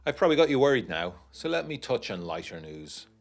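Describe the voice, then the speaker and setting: A man's voice: mid-range voice, sing-song, brisk, creaky. An actor playing a genteel, uneasy young war veteran narrating his letters in a literary, wryly confiding way for a gothic period audiodrama.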